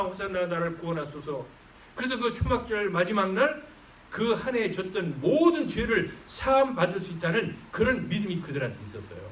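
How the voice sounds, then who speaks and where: Korean-style pastor guy preaching hard, voice jumps all over, echoey church, faint room hum. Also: high voice. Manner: fervent preaching, swells loud on exclamations. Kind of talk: sermon. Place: church sanctuary. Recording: roomy church sound, mic at a distance.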